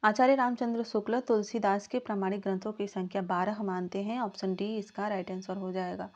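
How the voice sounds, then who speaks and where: A woman teaching Hindi literature in an exam practice lesson, reading out questions and options and then explaining the answers in a measured way. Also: medium pitch, steady tone, dull audio. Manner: signs off warmly asking viewers to comment.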